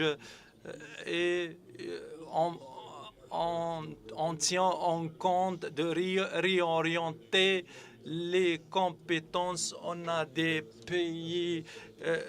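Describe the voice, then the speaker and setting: A man giving a halting conference presentation, very hesitant, with constant hesitations and restarted words. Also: fairly high pitch, a bit bright. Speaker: conference speaker.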